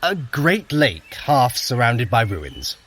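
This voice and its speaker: Audio drama role: clever, exasperated male trickster god, dry wit, measured pace, extremely animated intonation. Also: mid-range voice, slight background noise. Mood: intrigued. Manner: dry, sardonic, articulate. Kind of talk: scripted audio drama acting.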